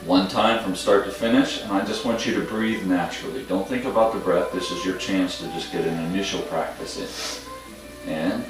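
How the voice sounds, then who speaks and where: A man in his thirties serenely guiding tai chi movement and breathing in short, calm instructional phrases with pauses. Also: low voice. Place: indoor home room with hard floor. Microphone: distant camera microphone across the room. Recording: echoey room from far off, music behind.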